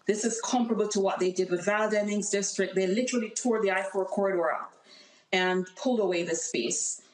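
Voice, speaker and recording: Over low-quality call audio, a congressional candidate with a Jamaican accent makes her campaign case with earnest emphasis. Her mid-range voice moves a little fast, and the space around her is reverberant.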